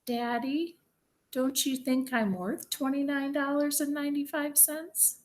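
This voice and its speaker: A woman voicing a cheeky, loud little girl in a children's story, with a whiny, dramatic way of talking. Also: on the high side, very animated, takes it slowly, a little hiss or hum, pitched above the performer's own voice, exaggerated voice. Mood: sweetly pleading.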